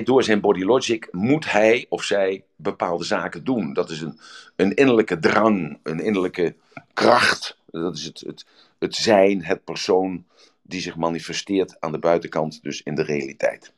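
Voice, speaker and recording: A man's voice: deep voice, measured pace. A man giving a casual spoken talk on personal development, rambling with many fillers.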